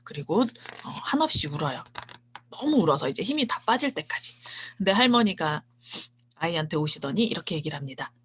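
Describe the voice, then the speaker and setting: Woman in her thirties, picture book educator, gentle and slow, half-whispered at times, husky, low voice. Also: sing-song. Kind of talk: retelling a picture book for parents.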